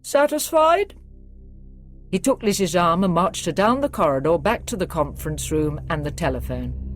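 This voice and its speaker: Low-voiced woman narrating an audiobook. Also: animated, fairly quick, soft background music. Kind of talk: scripted narration.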